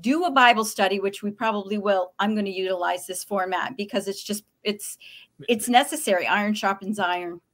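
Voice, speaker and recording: A woman's voice: mid-range voice, a little fast, fairly bright tone. A woman co-hosting over a video call who talks with enthusiasm, stammering as she starts her sentences. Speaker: co-host. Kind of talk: casual video call conversation. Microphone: webcam on video call.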